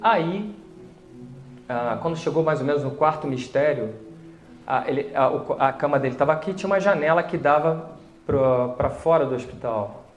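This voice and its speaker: A man who hosts a Catholic prayer channel, telling a religious testimony in a lively way, his voice rising high when excited. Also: normal speed, faint music behind. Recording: echoey room.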